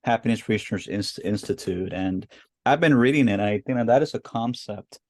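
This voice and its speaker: Host: man with a low voice, eager and rambling, dry close sound. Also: normal speed, darkish tone, no echo. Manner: enthusiastic, rambling with restarts. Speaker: host, founder of the organization. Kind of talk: casual interview.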